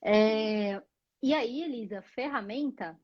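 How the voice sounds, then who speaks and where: Woman, Brazilian accent, husky, high-pitched, lively storyteller, muffled stream audio. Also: takes it slowly. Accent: Brazilian Portuguese. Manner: animated storyteller, acts out dialogue. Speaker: guest. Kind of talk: casual storytelling on a live stream.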